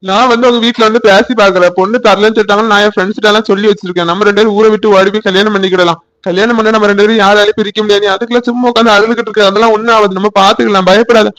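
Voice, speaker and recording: Man doing a young village guy soothing his girl, tirunelveli tamil, talks very fast. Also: high voice, fairly even intonation, fairly bright tone, no echo. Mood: reassuring. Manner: reassuring, coaxing.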